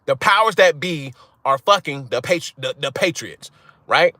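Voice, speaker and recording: Young man, blunt rant-style host, bright edge, dry close mic. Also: on the high side, expressive, moderate pace, no echo. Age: young adult. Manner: blunt, profane, repeats "right?" for emphasis. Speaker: channel host. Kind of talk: casual monologue to viewers.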